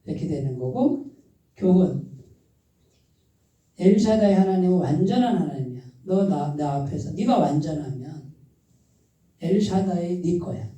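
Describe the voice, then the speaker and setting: A pastor delivers an emphatic sermon and keeps firing rhetorical questions at his congregation. His voice is very dark and mellow. It booms through a very echoey church hall, heard from some distance from the mic. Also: expressive, unhurried, long pauses. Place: church sanctuary.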